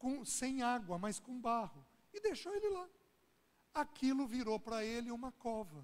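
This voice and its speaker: At an extremely high pitch for a man, he talks at a fairly slow pace with very wide pitch swings and long, frequent pauses. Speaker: guest preacher. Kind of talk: sermon.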